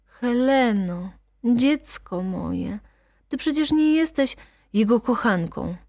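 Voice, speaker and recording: Woman voicing old mother, tearful and frightened, hushed pleading, dry storybook reading. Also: fairly high pitch, animated, slow, dry recording, pitched above the performer's own voice, full character voice.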